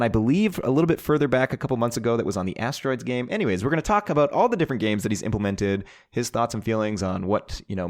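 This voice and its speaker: A man hosting a podcast, introducing a guest and asking questions in a chatty, enthusiastic way. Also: mid-range voice. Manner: chatty and enthusiastic, many fillers. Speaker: podcast host. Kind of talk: casual podcast chat.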